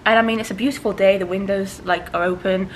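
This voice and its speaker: A woman's voice: mid-range voice, steady tone, fast, a little hiss or hum, poor audio. A woman of about thirty, raised in Switzerland with Persian as her first language, chatting casually to the camera from her living room and sounding slightly stuffy from hay fever. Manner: chatty, laughs often, warm asides. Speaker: vlogger. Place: living room with windows open. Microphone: camera placed close.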